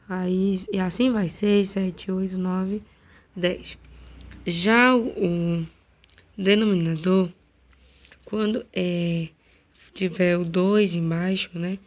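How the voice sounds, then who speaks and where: A woman teacher with a Brazilian Portuguese accent, hoarse from a cold, giving an online math lesson in a quiet, hesitant way with many fillers. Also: on the low side, steady tone, slow pace, pauses often. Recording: dull lo-fi home video recording.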